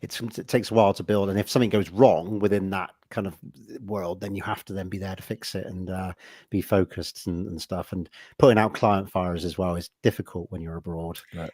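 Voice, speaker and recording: A man's voice: low-pitched, fairly even intonation, brisk, a little mellow, dry recording, clean studio sound. A young man with a West Country English accent, hosting a podcast interview in a friendly, rambling way. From Southwest England. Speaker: podcast host. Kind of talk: casual interview questions.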